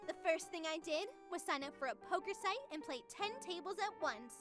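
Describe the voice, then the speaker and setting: A woman's voice: very high voice, animated, brisk, over music. A woman voicing a cheerful, smug young female AI who narrates a horror visual novel in a playful, conversational way. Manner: playful, self-satisfied, conversational. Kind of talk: scripted first-person game narration.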